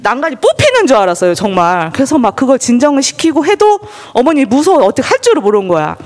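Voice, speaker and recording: A woman telling her personal testimony at a church service, animated storytelling that acts out the voices she quotes. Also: high-pitched, fast talker. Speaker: church member giving testimony. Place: church sanctuary. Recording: church hall reverb.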